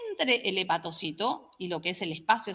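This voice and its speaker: A woman speaks with very wide pitch swings. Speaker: medical lecturer. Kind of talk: lecture. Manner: fast.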